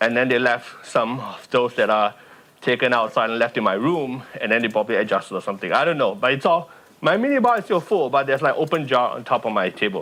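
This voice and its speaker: Speaking at a very fast pace, a man with a medium pitch and a bright, sharp tone keeps his intonation lively. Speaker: tech conference speaker. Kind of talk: conference talk.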